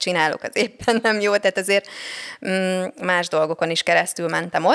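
Recorded very cleanly against a silent background, a woman speaks in a plain, everyday voice at medium pitch, with a moderate pace and fairly even intonation. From Budapest, Hungary. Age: 30s. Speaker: beautician and HR consultant. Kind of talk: casual chat.

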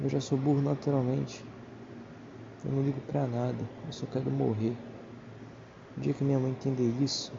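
In a monotone, flat delivery, a man talks at a moderate pace with long, frequent pauses. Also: medium pitch for a man. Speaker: amateur podcaster. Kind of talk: casual monologue. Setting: bedroom at night, phone recording. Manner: soft-spoken. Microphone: phone mic, muffled.

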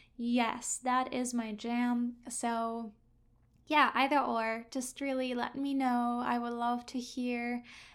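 A woman with a German accent speaks at a high pitch in a relaxed tone, her intonation monotone and flat. She goes at a very slow pace on a very clean recording with a silent background. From Germany, Hamburg. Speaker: spiritual podcast host, healing coach. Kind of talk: unscripted personal storytelling monologue. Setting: solo in front of a microphone. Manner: flowing, relaxed.

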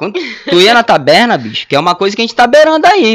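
Talking at a very fast pace, a man's voice moves through very wide pitch swings. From Manaus, Amazonas, Brazil. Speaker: rapper and cultural organizer. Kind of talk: casual interview.

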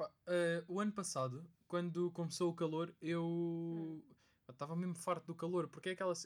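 The man's pitch is high. His intonation is monotone and flat. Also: moderate pace. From Portugal, Mafra. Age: young. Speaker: podcast co-host. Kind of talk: casual chat.

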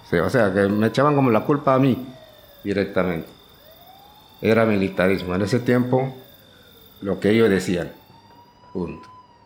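A man speaks with ordinary pitch variation. Background noise is noticeable behind him. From Panama, Guna Yala (San Blas). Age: 50s. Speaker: former prison inmate. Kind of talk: interview testimony. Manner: halting.

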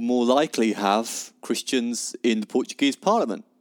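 Recorded in a dry, close sound with no echo, a man talks with an English accent. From England. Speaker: podcast host. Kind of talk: casual discussion.

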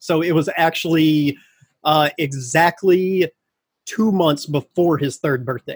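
This man has a fairly high pitch and ordinary pitch variation. It is an unremarkable speaking voice. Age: 30s. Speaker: tech website editor and amateur cyclist. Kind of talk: interview.

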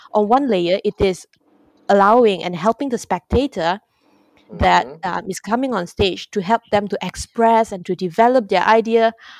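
This is a very clean recording with a silent background and a dry, close sound with no echo. A woman speaks in an ordinary speaking voice at a medium pitch, with ordinary pitch variation and a moderate pace.

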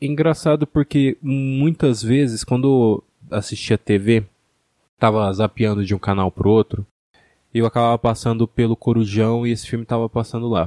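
A man with a dark, mellow tone and ordinary pitch variation is heard in a very clean, silent recording with a dry, close sound and no echo. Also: medium pitch for a man, moderate pace. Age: 20s. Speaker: podcast host. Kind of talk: solo podcast monologue, film recommendations. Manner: casual, conversational with fillers.

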